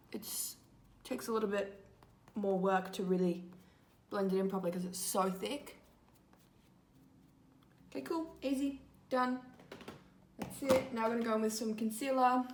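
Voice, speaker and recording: A young woman in her twenties giving a casual makeup tutorial, chatty and full of "like" fillers, her voice a little hoarse. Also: medium pitch, echoey room, a little hiss or hum. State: slightly hoarse, losing her voice. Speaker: makeup vlogger. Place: small indoor room before a grey backdrop.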